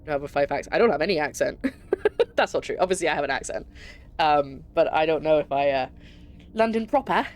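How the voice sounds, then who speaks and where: A woman's voice: low-pitched, expressive, a little fast. A young Scottish woman chatting casually while streaming a puzzle game, rambling and breaking off mid-thought. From Scotland. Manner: chatty, rambling, with frequent self-interruptions.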